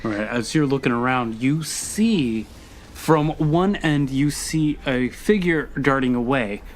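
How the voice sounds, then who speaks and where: A man's voice: medium pitch, slight background noise. A man acting as game master, narrating scenes in a tabletop roleplaying game.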